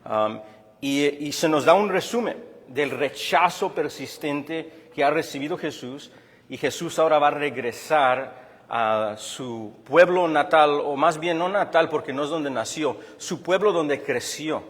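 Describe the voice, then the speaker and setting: Earnest preacher in a reverberant hall. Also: male voice, fairly high pitch, a little slow, husky. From Chicago. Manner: earnest and explanatory, with frequent restarts and fillers. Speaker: pastor. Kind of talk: sermon.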